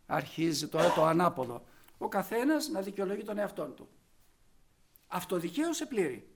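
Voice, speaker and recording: High-voiced fervent male preacher. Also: sing-song, vocal fry, breathy edge. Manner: fervent, voice rising to loud emphasis. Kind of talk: sermon.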